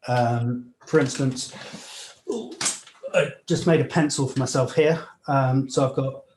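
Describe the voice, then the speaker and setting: A young man from Nigeria, a jeweller, explaining his work while filing and sanding at his bench, with many pauses and fillers. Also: mid-range voice, echoey room, slight background noise, rough recording. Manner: relaxed, hesitant, many fillers, talks while working. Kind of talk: live demonstration with interview answers.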